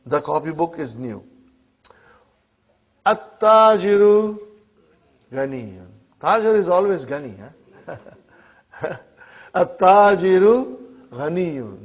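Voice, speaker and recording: Man, language teacher, fairly high voice, keeps checking in with the class, muffled classroom recording. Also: a little mellow, husky. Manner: checks in often with "huh?" and "brothers and sisters". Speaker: Arabic teacher. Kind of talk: classroom grammar lesson.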